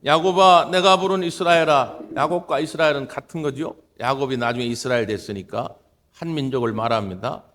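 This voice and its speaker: A man preaching a sermon to his congregation, stressing points with repeated phrases and bursts of louder, higher speech. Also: fairly quick. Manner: emphatic preaching with repeated phrases and sudden rises in pitch and volume. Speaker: pastor. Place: church sanctuary.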